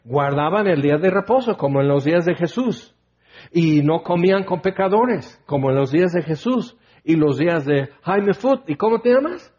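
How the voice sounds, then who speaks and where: A man preaching in an animated, conversational way, with a husky, slightly breathy voice that sits a little high for a man. He reads scripture aloud and keeps turning to his listeners with questions. The recording sounds dull and lo-fi. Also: normal speed. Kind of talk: conversational sermon.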